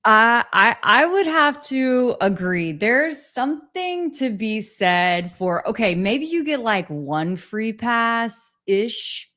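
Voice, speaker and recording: A woman's voice: fairly high pitch, sing-song, takes it slowly, few pauses, bright, forceful tone. A woman hosting a livestream, speaking in a casual, conversational way. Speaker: livestream host.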